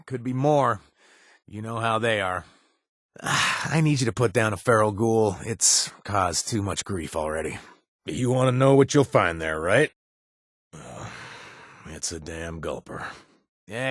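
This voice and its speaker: In a dry, clean studio recording with no echo, a man with a medium-pitched, slightly bright voice performs in a heavily acted style. He's an actor voicing a laid-back, wisecracking young mercenary who serves as a quest-giving companion in a video game, chatting casually with joking asides and filler sounds.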